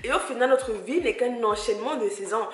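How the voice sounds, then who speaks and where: A woman's voice: fairly high pitch, a little fast, echoey room, soft background music. A woman from Cameroon, chatting casually and encouragingly to her listener as a podcast host, searching for words as she goes. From grew up in Cameroon, living in France. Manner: conversational, hesitant searching for words, addresses listener directly. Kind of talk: casual solo podcast talk, encouraging advice.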